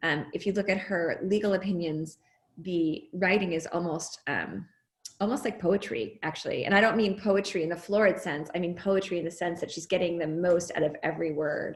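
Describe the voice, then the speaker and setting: Somewhat breathy, a woman speaks in a fairly low pitch with ordinary pitch variation. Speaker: law professor, former supreme court clerk. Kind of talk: panel conversation. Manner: fast.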